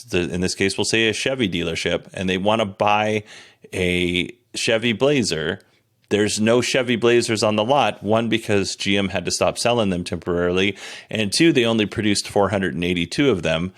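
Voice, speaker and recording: A man's voice: on the low side, moderate pace, a bit bright. A man hosting a podcast, giving casual, conversational news commentary in a candid, self-deprecating way. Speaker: podcast host.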